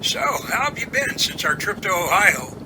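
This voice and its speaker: A man's voice: high-pitched, big pitch swings, moderate pace, background noise. A man in an amateur audio drama playing a frank, inquisitive helicopter rescue pilot in a conversational manner. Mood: curious.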